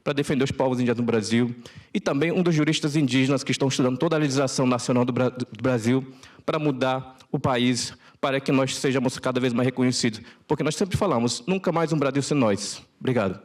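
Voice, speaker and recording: A man from Roraima, a Macuxi speaker, giving a solemn, deliberate speech to an audience. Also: mid-range voice. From Roraima, Brazilian Amazon.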